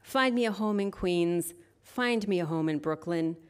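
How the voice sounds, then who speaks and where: A middle-aged woman poet and lecturer, introducing her work haltingly before a slow, measured reading of her poems into a stage microphone. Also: lowish voice, clear, resonant tone. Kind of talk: poetry reading with spoken introduction. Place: stage at a literary venue.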